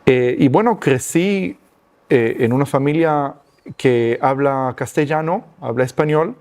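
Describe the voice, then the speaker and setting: A man's voice: medium pitch, a little slow, darkish tone. Guy, stumbles a lot in spanish, lots of "eh", voice right in the middle. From Israel. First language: Hebrew. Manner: hesitant, many fillers and restarts, searching for Spanish words. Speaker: guest giving testimony. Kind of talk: personal testimony interview.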